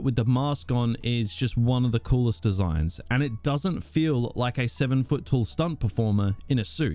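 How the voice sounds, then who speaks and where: With music in the background, a man with an Australian accent talks at a medium pitch with lively intonation. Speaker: film video essayist. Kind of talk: video essay narration. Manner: casual, conversational.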